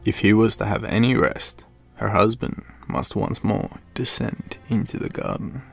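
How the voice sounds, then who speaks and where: A man with an Australian accent giving dramatic storybook narration, often dropping into a breathy hush. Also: on the low side, a little slow, soft background music.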